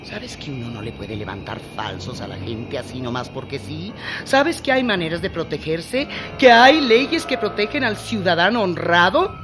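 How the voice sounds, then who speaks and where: An actress playing a vain, insecure middle-aged housewife in a radio drama, with an evasive, condescending manner. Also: female voice, fairly low pitch, animated, moderate pace, hardly any pauses, music in the background, close to an everyday voice. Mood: threatening. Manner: evasive, condescending, turns threatening. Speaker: mistress of the house.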